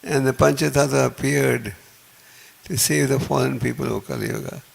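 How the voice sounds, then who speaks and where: A soft-spoken man giving a measured lecture at a temple program, speaking into a mic for a gathered audience. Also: mid-range voice, fairly even intonation, vocal fry, husky. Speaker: spiritual teacher. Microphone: handheld or stand mic, speaking to a gathered audience.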